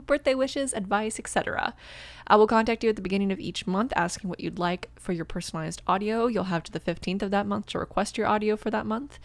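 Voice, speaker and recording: Young woman with a creaky voice. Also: mid-range voice, no room sound. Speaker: ASMR audio creator. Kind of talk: casual channel update to listeners.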